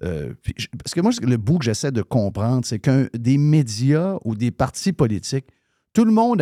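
Heard on a very clean recording with a silent background and a dry, close sound with no echo, a man speaks at a medium pitch in a dark, mellow tone. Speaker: radio host. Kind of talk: casual chat.

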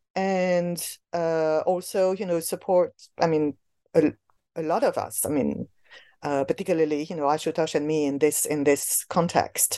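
Over a quiet background, a woman speaks at a moderate pace with a fairly low pitch and a dark, mellow tone. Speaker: literature professor. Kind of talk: interview. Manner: halting, many fillers.

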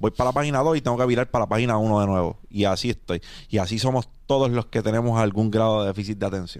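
On a very clean recording with a silent background, a man with a Puerto Rican accent talks at a very fast pace and a medium pitch, with ordinary pitch variation and very even loudness. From Puerto Rico (Río Grande). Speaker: podcast host. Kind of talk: casual interview chat.

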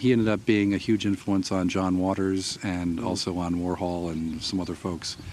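A man with an American accent speaks at a moderate pace, his voice very deep and low. His intonation is fairly even, and there is noticeable background noise. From Madison, Wisconsin. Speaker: film critic. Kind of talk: casual interview. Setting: outdoors in a park.

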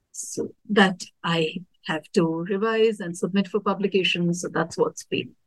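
Somewhat breathy, this voice moves at a fairly slow pace with fairly even intonation. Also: woman. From North India. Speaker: retired history professor. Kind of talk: interview.

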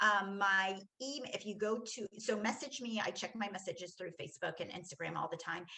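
A woman speaks in a plain, everyday voice at a medium pitch with ordinary pitch variation. She moves at a fairly quick pace with hardly any pauses. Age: 40s. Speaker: pediatrician. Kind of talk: interview.

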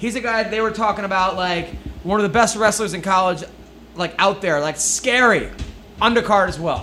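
Noticeable background noise surrounds a high-voiced man who speaks at a fairly quick pace. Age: 40s. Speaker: podcast host and comedian. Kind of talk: casual chat. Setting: studio.

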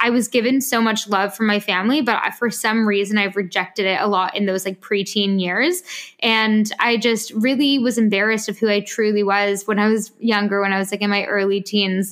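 A woman with a normal speaking voice and a medium pitch talks at a fairly quick pace with hardly any pauses and very even loudness, on a very clean recording with a silent background. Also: fairly even intonation. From Canada. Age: 20s. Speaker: lifestyle brand founder. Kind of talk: casual interview chat.

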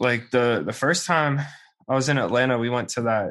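A man with an ordinary speaking voice talks at a medium pitch and a fairly slow pace. His pitch varies in an ordinary way against a quiet background. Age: 20s. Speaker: podcast co-host, music producer. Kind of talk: casual chat. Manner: casual, filler-heavy speech.

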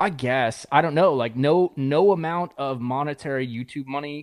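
A man with an ordinary speaking voice at a medium pitch, moderate pace and ordinary pitch variation, in a dry, close sound with no echo. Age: 40s. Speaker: car enthusiast. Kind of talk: casual chat.

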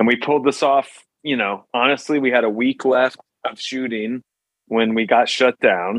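This man has an American accent and a medium pitch. He talks at a moderate pace with fairly even intonation. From northern New Jersey. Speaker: film producer and musician. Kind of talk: casual interview. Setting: video call. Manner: talkative.

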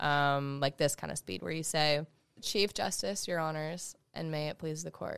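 A woman speaks with a very deep, low pitch and fairly even intonation. The recording is very clean, with a silent background. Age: 20s. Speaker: lawyer and social media creator. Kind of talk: casual chat. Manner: loud.

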